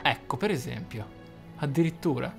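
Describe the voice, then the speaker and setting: A man's voice: mid-range voice, normal speed, gravelly. A man hosting a role-playing let's play, musing aloud with theatrical interjections. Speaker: gamer, let's play host. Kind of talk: role-playing game commentary. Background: game music.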